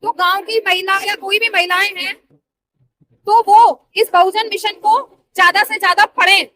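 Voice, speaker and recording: A woman's voice: very high voice, fairly even intonation, moderate pace, bright, forceful tone. A woman in her thirties, a party worker answering interview questions in an earnest, persuasive way. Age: 30s.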